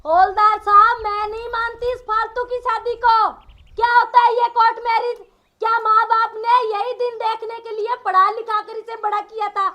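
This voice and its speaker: A performer voicing a nagging, quarrelsome old mother-in-law in a cartoon skit, in a high squeaky voice. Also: little pitch movement, moderate pace, highs cut off. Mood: scolding.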